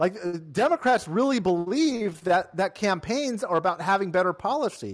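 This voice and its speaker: Lively intonation and a high pitch from a man, delivered at a moderate pace. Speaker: political podcast host and campaign strategist. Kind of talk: live call-in show. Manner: rambling, conversational.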